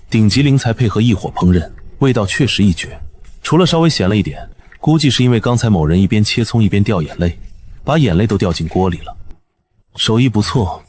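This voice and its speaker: A man voicing a calm, smug young male sword master in an animated series, talking in a cool, teasing, unhurried way. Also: fairly low pitch, slight background noise, close to an everyday voice.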